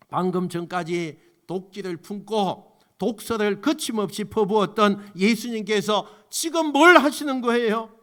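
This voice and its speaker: Male pastor, high-pitched voice, passionate sermon, soft asides to loud exhortation, church sanctuary. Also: slow. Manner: leads congregation in unison scripture reading.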